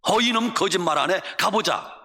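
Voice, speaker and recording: A man voicing a stern old farmer father who scolds his daughter loudly. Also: high voice, lively intonation, moderate pace, exaggerated voice. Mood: scolding. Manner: loud and scolding. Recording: echoey church hall.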